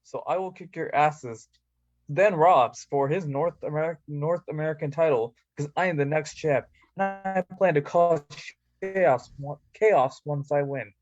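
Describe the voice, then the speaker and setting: Higher-voiced man reading wrestling promos. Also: measured pace, lo-fi sound, soft background music. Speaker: amateur actor reading a wrestler's promo lines. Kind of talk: staged reading of wrestling promos, with casual asides.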